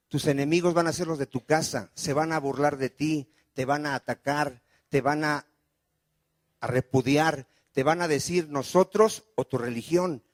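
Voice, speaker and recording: A man's voice: a little high, dry recording. A man preaching a sermon as pastor, often asking the congregation questions and calling for amens. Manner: preaching with call-and-response questions.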